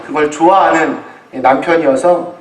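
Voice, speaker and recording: A man preaching a sermon as a pastor to a congregation, telling it in deliberate phrases with pauses. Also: fairly high pitch, background noise. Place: large echoey room, church service. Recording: echoey hall, distant microphone.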